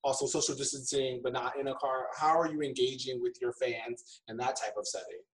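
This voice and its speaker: A man's voice: mid-range voice, a little fast, rough recording. A man hosting an interview, asking questions conversationally and restarting his sentences. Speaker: interviewer, host.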